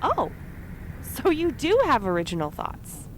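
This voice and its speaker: A woman's voice: sits high, huge pitch swings, unhurried, background noise, exaggerated voice. An actress playing a guarded, exasperated and sarcastic woman in an audio drama, speaking bluntly. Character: exasperated, guarded, sharp-tongued woman facing her double. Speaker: fiction podcast actor.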